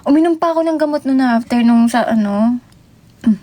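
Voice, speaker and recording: Speaking at a normal speed in a slightly high, dark-toned voice, this young idol livestreamer from the Philippines giggles and calls out viewers by name in a casual chat. The phone recording is dry.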